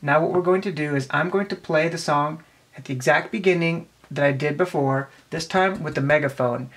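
A man in his twenties giving a casual hands-on explanation, a bit halting as he thinks aloud, recorded on a camera mic in a small office. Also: a little high, fairly bright tone. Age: 20s. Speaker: presenter of a tech demonstration. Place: small cluttered office indoors. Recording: clear background noise, clicks of handling.

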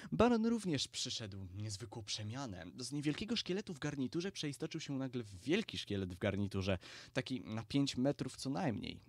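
A man's voice: mid-range voice, a little mellow, no room sound. Man, comic story narration, casual crude tone, dry close sound. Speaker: internet story reader.

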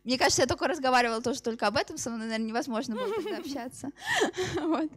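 A woman's voice: high-pitched, animated, racing, a bit bright, husky. A woman in her twenties answering audience questions informally after a talk, often restarting her sentences. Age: 20s. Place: open event hall with seated audience.

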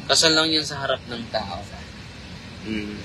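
A man's voice: mid-range voice, a little slow, noisy background. A man, a Catholic priest chatting on a live stream from a car at night, laughing often and filming on a phone at arm's length. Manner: chatty, laughs often, switches between Tagalog and Cebuano. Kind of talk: casual live-stream chat. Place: inside a car in traffic at night. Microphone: phone held at arm's length.

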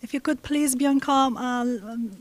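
A woman's voice: high-pitched, measured pace. A woman in her forties hosting an on-camera event interview in a polite, effusive way. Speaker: interviewer, host. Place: large indoor exhibition room. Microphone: handheld microphone.

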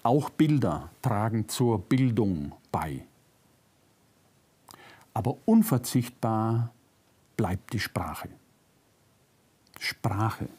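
An older man with a faint Bavarian-Swabian German accent, reading a prepared lecture as a philosopher, measured and reflective, lifting his voice on key words. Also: fairly low pitch, warm tone, husky. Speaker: philosopher giving a public lecture. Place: lecture room, seated at a desk. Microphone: lapel mic.

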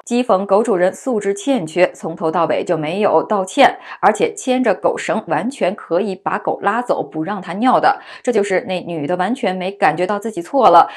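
A woman narrating a news segment from a script, her pitch sitting in the middle of the usual range. She reads briskly and evenly, moving from one point to the next without pause.

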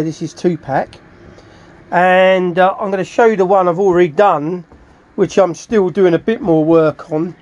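Higher-voiced man giving a halting workshop tutorial. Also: a little mellow, highs cut off. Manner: halting, thinking aloud while working. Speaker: furniture restorer demonstrating his work. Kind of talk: casual hands-on workshop tutorial. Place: small cluttered indoor workshop.

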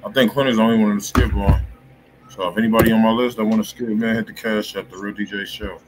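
An American man hosts a live music review in loose, slangy talk. His voice sits on the low side. There is clear noise behind him in the stream audio. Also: fairly even intonation, fast. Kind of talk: casual live-stream chat. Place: indoor room, live stream.

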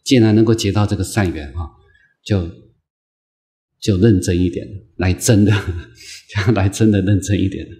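A man, a Buddhist monk, giving an unscripted dharma lecture in a gentle, patient way, repeating phrases and filling pauses with soft drawn-out sounds. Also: deep voice. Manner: gentle, repetitive phrasing with many drawn-out "ah" fillers; slow, patient, coaxing delivery.

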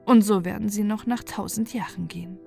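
A woman's voice: medium pitch, steady tone, a little fast, vocal fry, darkish tone. A woman storyteller reading a scripted fairy-tale narration. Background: background music.

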